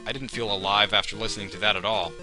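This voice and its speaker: A man's voice: on the low side, fairly even intonation, quick pace, over music. A man giving humorous commentary on a video game in a wry, sarcastic manner with exaggerated reactions. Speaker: let's play host.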